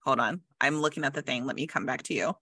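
A woman's voice: extremely low pitch, fast, sharp tone, dry recording. A woman co-hosting a casual podcast from home, reading product notes aloud and chatting with a giggle. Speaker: podcast co-host. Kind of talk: casual chat. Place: home with cats. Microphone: own microphone.

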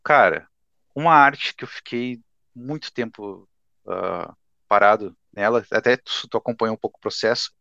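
A man's voice: on the low side, normal speed, creaky, bright, forceful tone, dry recording, lo-fi sound. A man in his twenties, a guest artist, chatting casually and laid-back on a podcast. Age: 20s. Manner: laid-back, says "cara" often.

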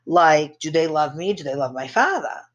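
A woman's voice: deep voice, lively intonation, normal speed, muffled recording. A woman hosting a podcast, telling a family story in a brash, profane way and laughing at her own jokes. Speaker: podcast host. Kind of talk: casual storytelling.

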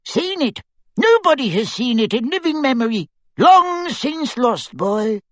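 A man's voice: very high voice, big pitch swings, measured pace, a bit bright, dry recording, voice pushed up, heavily acted. A man voicing a small, fussy old male professor with exclamatory delivery. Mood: incredulous.

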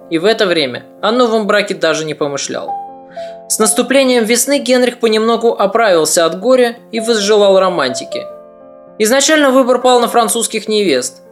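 A man narrating a history podcast in a measured, slightly ironic, scripted storytelling way. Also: high-pitched.

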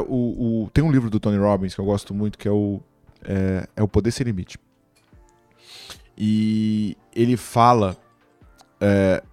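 A man hosting a casual chat, talking in a relaxed, slangy way with frequent laughs. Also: on the low side, no room sound.

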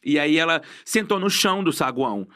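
A young man with a Brazilian Portuguese accent, chatting as a guest and telling stories, acting out what people said. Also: a little high. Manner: fast animated storyteller, acts out quotes. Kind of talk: casual chat.

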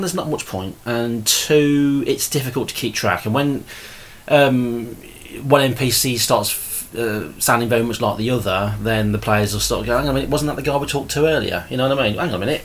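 Husky rambling man, podcast host. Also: lowish voice. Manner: rambling, with many fillers and restarts. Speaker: podcast host and game master. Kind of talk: casual solo podcast talk.

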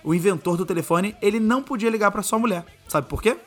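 A man's voice: sits high, quick pace. A man with a Brazilian accent hosting a casual trivia chat in a slangy, jokey way.

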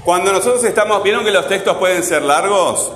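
A male teacher leads a lesson, asking his questions again and again until the students answer. His voice sits a little high for a man. It rings through a reverberant classroom with long echo. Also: a little fast, fairly bright tone. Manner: repeats questions, prompts students. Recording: echoey hall, faint background noise.

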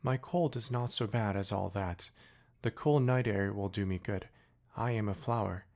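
A man's voice: fairly low pitch, moderate pace, vocal fry, darkish tone. A man reading an audiobook voices a proud, delicate young female flower with a pleading yet haughty manner. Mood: proud, wistful. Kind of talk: audiobook character voice.

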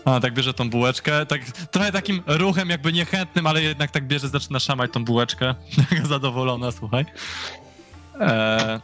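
Casual male game master, mid-pitched. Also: normal speed, fairly bright tone, faint music behind. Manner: casual, fillers and chuckles, says "listen" often. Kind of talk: narrating a tabletop game.

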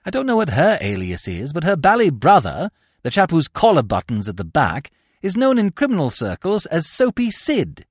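A performer voicing a breezy, dim young gentleman with an upper-class English accent and excitable manner in an audiobook story. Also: mid-range voice, normal speed, slightly rough, dry recording, clean studio sound. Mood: smug triumph. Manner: excitable, breezy, blithely foolish exclamations.

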